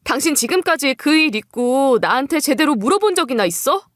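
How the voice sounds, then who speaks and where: A hurt and exasperated wife in a narrated drama, acted by a woman. Her voice is fairly high and very animated, reproachful and full of emotion. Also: brisk, no room sound, clean studio sound.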